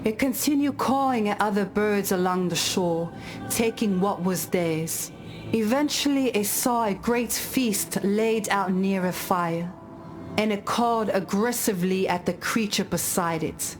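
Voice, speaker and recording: An actress playing a solemn tribal woman who tells ancestral fables in a measured, grave, deliberate way for a video game. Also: mid-range voice, natural voice. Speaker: game character storyteller. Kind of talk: scripted storytelling of parables.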